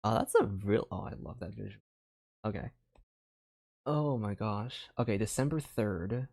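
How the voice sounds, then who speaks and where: A man's voice: on the low side, unhurried, gravelly, darkish tone. A man streamer chatting casually and thinking aloud during a live reaction stream.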